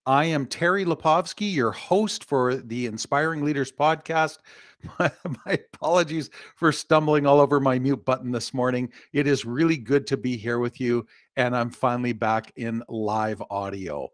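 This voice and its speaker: An older man hosts a podcast from his home office, talking into a studio mic on a video call. He is chatty and upbeat and laughs easily, and his voice sits at an ordinary pitch with a dry, close sound. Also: normal speed, dry recording. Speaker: podcast host. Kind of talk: casual podcast chat. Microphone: studio mic on arm, video call.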